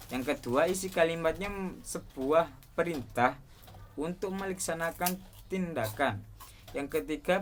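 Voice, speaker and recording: A man's voice: on the high side, slight background noise. A young man, a student, reading a class presentation aloud and steadily listing points one by one. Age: young adult.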